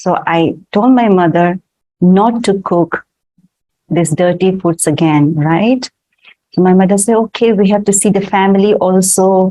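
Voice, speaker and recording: A woman's dark, mellow, medium-pitched voice, fairly slow, with very even loudness and fairly even intonation. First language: non-Hindi Indian language. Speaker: meditation teacher. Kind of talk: spiritual talk. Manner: halting.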